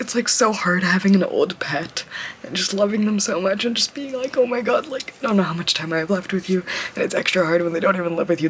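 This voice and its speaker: Very fast speech amid noticeable background noise. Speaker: creative vlogger and small business owner. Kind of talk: casual vlog talk to camera. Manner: rambling, filler-heavy (like, um).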